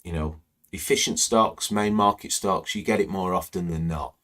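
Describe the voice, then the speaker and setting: Croaky low-voiced man. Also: normal speed, fairly bright tone. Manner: conversational, rambling, many "you know" fillers. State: croaky, slightly hoarse voice. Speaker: trading educator hosting live stream. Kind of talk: live market screening commentary.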